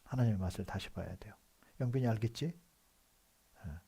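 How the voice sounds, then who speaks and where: A male pastor with a Seoul accent preaching a sermon in a conversational way, moving between quiet asides and loud emphatic outbursts. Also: on the low side, a little fast, vocal fry, slightly rough. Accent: Seoul Korean. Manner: conversational preaching with frequent affirming "yes" asides.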